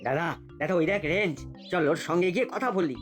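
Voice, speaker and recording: A woman's voice: lowish voice, quick pace, faint music behind, lightly acted. A woman voicing a boastful young boy schemer in a children's cartoon, bragging and cajoling. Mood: cocky. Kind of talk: animated children's cartoon acting.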